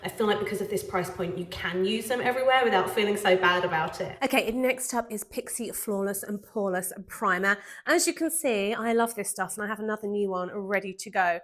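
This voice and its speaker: Woman, nasal from a cold, stuffy, chatty beauty vlogger, enthusiastic, mid-pitched voice. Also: a little fast, few pauses. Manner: chatty, enthusiastic, gushing about products. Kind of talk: casual product review walkthrough.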